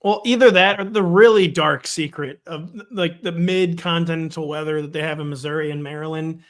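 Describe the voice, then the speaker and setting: A man co-hosting a casual sports chat, wry and joking, talking quickly and loosely. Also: a little high, steady tone, a bit bright. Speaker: podcast co-host. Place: home in the Midwest.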